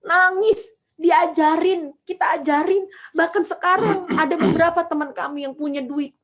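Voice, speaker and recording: A woman's voice: very high-pitched, normal speed, fairly bright tone. A middle-aged woman preaching a revival testimony sermon, emotional and speaking straight to the congregation. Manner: emotional, shifts into quoted voices, addresses the audience directly.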